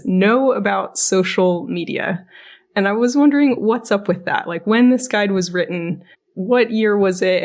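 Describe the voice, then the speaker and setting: A woman hosting a casual podcast discussion, speaking in a questioning, conversational way with frequent use of "like". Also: mid-range voice. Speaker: podcast host.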